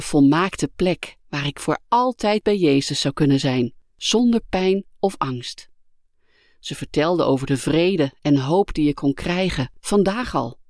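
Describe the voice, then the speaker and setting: A woman calmly and earnestly narrating a first-person life story from a script. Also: fairly low pitch, dry recording, clean studio sound.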